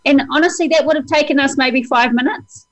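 A woman's voice: high-pitched, fairly quick. A woman with a New Zealand accent, guest on an interview, telling a story earnestly with many hesitations. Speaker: hypnotist guest.

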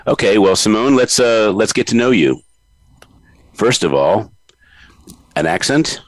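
A man hosting an interview show in a relaxed, easygoing way. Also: on the low side, unhurried, dry recording. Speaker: host. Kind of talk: casual interview chat.

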